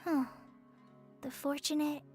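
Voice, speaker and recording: An actress playing an earnest, reflective young traveler in a video game. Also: female voice, high voice, flat delivery, slow pace, a little mellow, soft background music.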